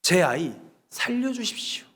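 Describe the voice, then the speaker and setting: A man's voice: high-pitched, big pitch swings, a little slow, a bit bright, breathy edge, voice pushed down, full character voice. A man voicing a grieving adult king who pleads desperately with God for his child's life. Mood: pleading.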